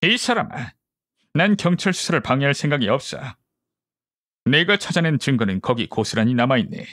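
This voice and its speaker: A man performs a brisk male detective from an audiobook mystery. He lays out deductions methodically and gives orders with assurance. The voice sits at a medium pitch in a dry, close sound. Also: animated, a bit bright, dry recording. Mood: brisk, instructing. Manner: deductive, explanatory, commanding. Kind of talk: audiobook character dialogue.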